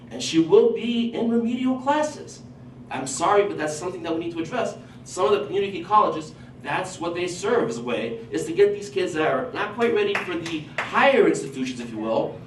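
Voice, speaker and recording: Earnest teacher with Portuguese roots, in a roomy hall. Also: male voice, high voice, fairly quick. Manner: earnest, animated when quoting himself and students. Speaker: high school teacher giving public testimony. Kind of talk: public hearing testimony. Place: large hall at a public hearing. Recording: roomy hall, voice from a distance, faint noise.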